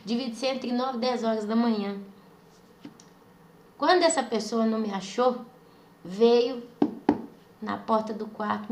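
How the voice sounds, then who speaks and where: Emphatic woman giving testimony. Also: on the high side. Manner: repeats phrases, often calls the listeners "brothers". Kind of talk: emotional testimony to a congregation. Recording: roomy echo.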